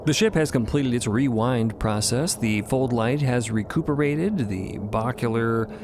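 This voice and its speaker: A man's voice: medium pitch, measured pace, background noise. A man narrating audio fiction in a dramatic storytelling style. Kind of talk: dramatic scripted-sounding storytelling. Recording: music behind the voice.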